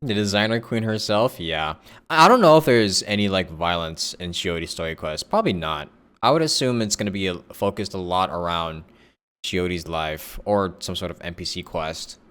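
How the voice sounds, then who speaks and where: A live streamer and content creator, this man chats casually with viewers against background music. Speaking at normal speed in a low, smooth, slightly bright and animated voice, he rambles, thinking aloud and correcting himself along the way.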